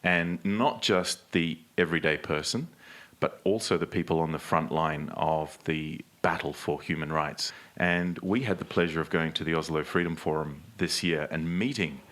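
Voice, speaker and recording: On stage for a live podcast panel, a man co-hosts like a polished presenter and puts questions to the audience. His voice is very deep and a bit bright, with a steady tone at a normal speed.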